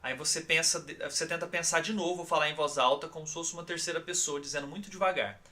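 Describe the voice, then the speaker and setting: A man with a Brazilian Portuguese accent giving a recorded online course lesson as instructor, speaking in a calm, guiding way and often checking in with his listeners. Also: fairly high pitch, fast.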